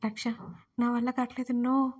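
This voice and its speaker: A woman's voice: on the high side, monotone, moderate pace, darkish tone, slightly rough. A woman voicing a desperate young husband who pleads through tears in an audio story. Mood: pleading, grieving. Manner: pleading, urgent.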